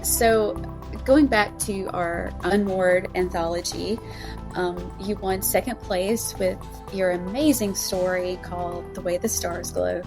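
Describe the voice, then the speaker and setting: A woman's voice: on the low side, fairly even intonation, slow, music in the background. A woman hosting a podcast interview, talking casually and effusively. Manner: effusive, gushing. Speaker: podcast host and anthology editor.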